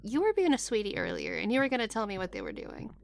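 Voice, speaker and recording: A woman's voice: a little high, huge pitch swings, fast, creaky, slight background noise, full character voice. A woman playing a brash, chatty captive with a sassy, casual manner, in an audio drama. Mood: coaxing, chatty.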